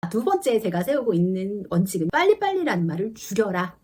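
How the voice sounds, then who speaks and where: Husky woman in her 40s giving parenting tips, lively ups and downs, earnest and confiding. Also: mid-range voice, a little fast. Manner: earnest, confiding, acts out dialogue with her child. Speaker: teacher and parenting vlogger. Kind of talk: casual parenting talk to camera.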